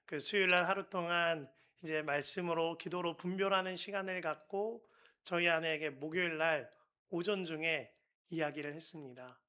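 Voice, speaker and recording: A young adult male pastor telling a story in a sermon, with sudden swings between loud urgent lines and hushed whispers, speaking in a church sanctuary. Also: fairly high pitch, moderate pace, clean tone.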